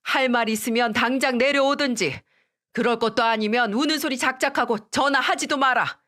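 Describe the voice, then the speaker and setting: Sharp-tongued older mother-in-law, voiced by a woman narrator, raised and scolding; radio story. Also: fairly high pitch, normal speed, pitched above the performer's own voice, lightly acted.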